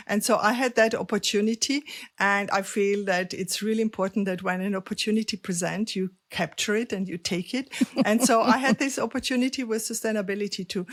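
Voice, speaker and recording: Woman in her 50s, grew up in austria, calm thoughtful podcast guest. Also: medium pitch. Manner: measured, thoughtful, with fillers and light laughs. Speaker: guest, chemist and sustainability expert. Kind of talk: podcast interview.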